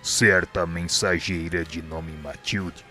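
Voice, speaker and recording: A man with a Brazilian accent playing a calm, solemn spirit instructor in a radio drama, speaking in a measured, respectful, didactic way. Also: low-pitched, faint music behind, exaggerated voice.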